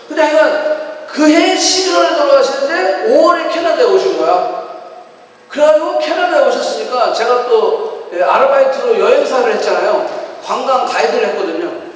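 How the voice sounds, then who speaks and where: A middle-aged woman pastor preaching a sermon, swinging between shouted emphasis and quiet asides. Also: fairly high pitch. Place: large church hall. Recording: echoey hall from far off.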